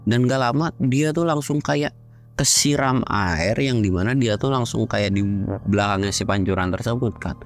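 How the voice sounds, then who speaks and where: A man narrating a ghost story in a chatty, slangy way, dropping to hushed tones at the scary parts. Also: medium pitch, normal speed, soft background music. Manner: chatty slangy retelling, sudden shifts into hushed and loud moments. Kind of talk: casual horror storytelling.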